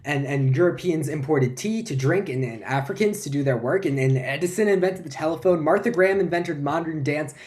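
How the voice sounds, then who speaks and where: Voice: medium pitch, animated, fairly quick, few pauses, darkish tone, lightly acted. A performer playing a flustered, forgetful lecturer who stammers and repeats words through a comic stage monologue. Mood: excited, gathering steam.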